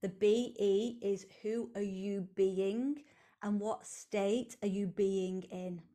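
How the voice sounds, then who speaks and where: Slow, earnest woman coaching. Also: medium pitch, fairly even intonation, mellow. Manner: slow, earnest, repetitive phrasing. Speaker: podcast host, coach. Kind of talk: reflective solo motivational talk.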